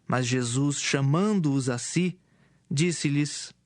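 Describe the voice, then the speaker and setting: A man's voice: fairly high pitch, slow, no room sound, clean studio sound. A man reading scripted narration for a dramatized audio Bible.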